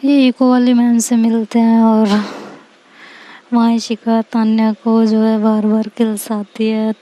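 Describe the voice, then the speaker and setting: A woman's voice: fairly high pitch, unhurried, dry recording. A woman with an Indian accent narrating a romantic story in a casual, chatty way and voicing the dialogue herself. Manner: chatty, colloquial retelling with lively quoted dialogue.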